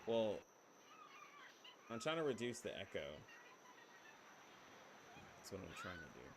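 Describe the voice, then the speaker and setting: A streamer talking through a deep pitch-shifted voice changer in casual livestream chat, fussing over mic echo and asking whether it sounds better. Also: big pitch swings, unhurried, background noise. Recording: game music playing loudly behind.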